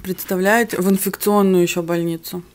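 Sitting in her living room with a camera on the table before her, a young woman eats and chats candidly for her mukbang vlog. Her first language is not Russian. She speaks briskly with a fairly low, darkish voice and fairly even intonation, and slight background noise is present.

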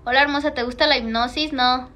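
A young woman with a Mexican Spanish accent chats casually on a livestream, reading out viewer comments. Her high, fairly bright voice is slangy and playful, and she laughs often.

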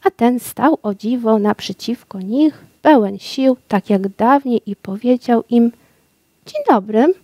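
A woman reading a fairy tale aloud in a calm, soft storytelling voice that drops to a hush at times. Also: on the high side, unhurried, hardly any pauses, dry recording, clean studio sound. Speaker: reader.

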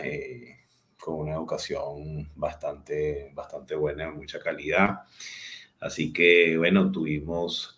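A man in his forties with a Venezuelan accent, telling his life story as a guest on a video call, unhurried and full of hesitant fillers. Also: a bass voice, fairly bright tone. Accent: Venezuelan Spanish. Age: 40s. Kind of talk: personal storytelling in an interview. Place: home room with a large window. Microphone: video call webcam.

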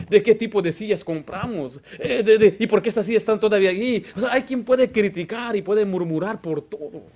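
A man preaching a Baptist sermon as pastor, asking the congregation questions and swinging from loud exhortation to quiet asides. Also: high voice. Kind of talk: Spanish-language Baptist sermon. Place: church sanctuary.

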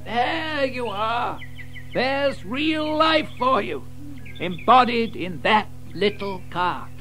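An actor playing a boastful, excitable rich gentleman toad in a children's audio drama, gushing and pompous. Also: very high voice, slow pace, music in the background, exaggerated voice. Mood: rapturous.

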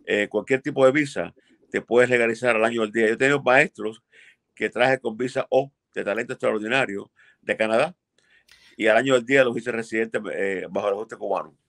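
A man's voice: mid-range voice, fairly quick, creaky, fairly bright tone, no echo, studio quality. An older man, an immigration lawyer, answering viewers' questions emphatically and bluntly over a video call from a home office. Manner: emphatic, blunt, repeats for stress. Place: home office with framed pictures.

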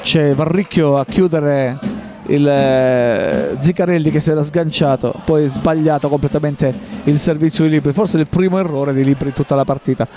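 A man giving live football play-by-play in clipped running phrases, with pauses between them. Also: a little high, darkish tone, faint music behind. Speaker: football match commentator.

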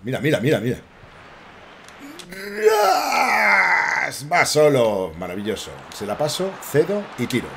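A man with a Spain Spanish accent streaming live gameplay commentary, joking and excitable with swearing banter. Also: mid-range voice, a little fast, few pauses, heavy background noise. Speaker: gaming streamer.

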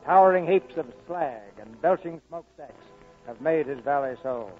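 A man's voice: fairly high pitch, lively intonation, moderate pace, faint music behind. A man hosting a 1940s radio theatre broadcast, reading scripted announcements. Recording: muffled narrowband vintage radio broadcast.

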